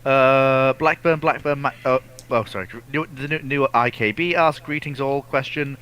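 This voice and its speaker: A man's voice: mid-range voice, normal speed, fairly bright tone, clean tone. A man co-hosting a casual history discussion, reading out and answering viewer questions, often repeating words and restarting phrases.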